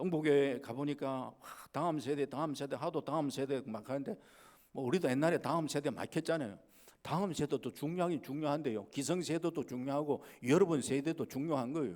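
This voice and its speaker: Fairly quick and fairly high in pitch, a man's voice shows ordinary pitch variation on a very clean recording with a silent background. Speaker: pastor. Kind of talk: sermon. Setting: church. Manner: animated.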